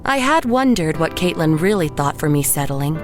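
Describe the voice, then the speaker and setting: A slightly low-voiced woman tells her own story as a resigned, uneasy artist. Her delivery is measured and literary, in the manner of an audio drama, with music underneath. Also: very animated. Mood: wistful, bitter. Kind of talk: first-person scripted audio drama narration. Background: music behind the voice.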